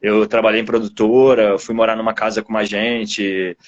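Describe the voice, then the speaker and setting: A man with a Brazilian Portuguese accent speaking casually as an interviewed author, telling personal experiences in a reflective, halting, rambling way. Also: lowish voice, level tone, highs cut off, slight background noise.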